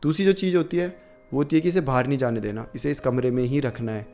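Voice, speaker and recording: Male horror narrator, mid-pitched, casual and chatty. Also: quick pace, mellow, soft background music. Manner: conversational, many fillers. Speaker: horror storyteller.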